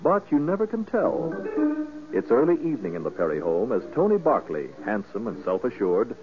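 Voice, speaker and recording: A man's voice: on the low side, huge pitch swings, moderate pace. A man announcing and narrating in a dramatic, scripted 1940s radio style. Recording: tinny vintage radio broadcast. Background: music.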